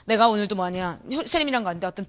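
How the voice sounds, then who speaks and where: A young adult woman preaching an energetic sermon in a church hall, acting out voices, shouting and laughing as she talks. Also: medium pitch, rapid-fire. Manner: animated, acts out quoted voices, shouts and laughs.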